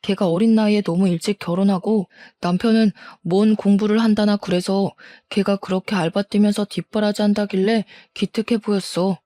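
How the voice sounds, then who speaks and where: A woman's voice: mid-range voice, fairly even intonation, moderate pace, hardly any pauses, mellow, dry recording, studio quality, natural voice. A woman voicing a cheating middle-aged husband who blusters, shifts the blame and scorns his wife. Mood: pleading.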